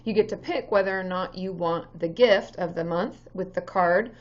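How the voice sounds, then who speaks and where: Hoarse, chatty woman live-streaming. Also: on the low side, moderate pace, lo-fi sound. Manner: chatty, greets viewers by name, many ums. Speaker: therapist hosting a live stream. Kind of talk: casual live-stream chat with viewers.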